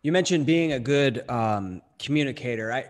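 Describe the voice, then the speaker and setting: A man hosting a podcast, asking relaxed interview questions. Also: mid-range voice, normal speed, in a large hall. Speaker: podcast host.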